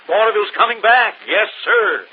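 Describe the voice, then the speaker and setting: An actor playing an aging, boastful vaudeville quick-change artist, in 1940s radio acting. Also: male voice, close to an everyday voice. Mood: coaxing. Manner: boastful, animated, dropping low when glum. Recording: dull old radio recording with faint hiss.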